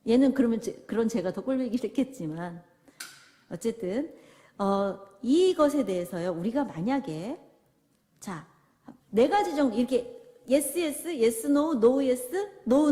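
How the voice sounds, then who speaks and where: A woman's voice: a little high, mellow. A woman giving a church parenting lecture, asking the audience questions and acting out parent and child dialogues. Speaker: parenting seminar speaker. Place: large church hall. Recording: reverberant hall.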